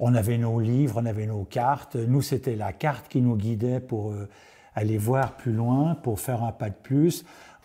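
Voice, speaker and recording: A man speaks fairly slowly at medium pitch, with ordinary pitch variation. His tone is dark and mellow, and somewhat breathy. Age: 80s+. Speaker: former long-distance traveler. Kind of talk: interview testimony.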